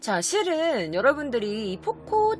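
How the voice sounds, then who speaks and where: Woman telling a spooky tale, lively pitch. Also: unhurried, soft background music. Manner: chatty, animated, acts out short quoted voices. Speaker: YouTube storyteller. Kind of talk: casual spooky storytelling.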